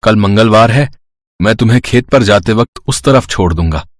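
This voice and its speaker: A man's voice: on the low side, normal speed, no echo, lightly acted. Man playing an earnest village husband, close dry sound. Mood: reassuring. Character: Shamsher, simple caring village farmer husband. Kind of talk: Hindi moral story cartoon dialogue.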